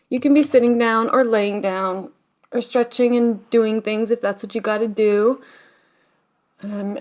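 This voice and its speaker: A woman with a medium-pitched voice guides a meditation. She speaks gently and soothingly, like a teacher in no rush, leaving long pauses between her phrases.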